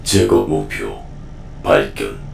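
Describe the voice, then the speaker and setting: A man playing a relentless, damaged combat robot in an audio drama, with a mechanical, processed voice and halting clipped commands. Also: very animated, heavily acted. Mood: cold, menacing. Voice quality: gravelly, mechanical. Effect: deep robotic voice processing. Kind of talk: Korean audio drama acting. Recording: echoey, distant, under loud music.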